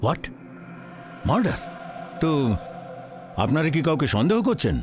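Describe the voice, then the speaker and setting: An actor playing a brisk senior police officer, curt and commanding, in a film melodrama. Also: male voice, on the high side, very animated, background noise. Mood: alarmed, brisk. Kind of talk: Bengali film melodrama acting.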